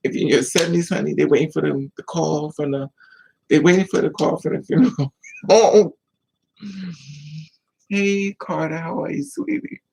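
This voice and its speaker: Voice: mid-range voice, moderate pace, gravelly, pauses often, low-quality recording. A man with an American accent chatting casually and candidly to livestream viewers in a sassy, storytelling manner. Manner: candid, sassy, animated storytelling with mocking quotes. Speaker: livestream host.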